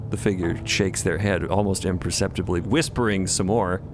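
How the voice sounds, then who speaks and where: A man narrating audio fiction in a wry, deliberate, semi-improvised storytelling manner. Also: deep voice, fairly even intonation, noisy background.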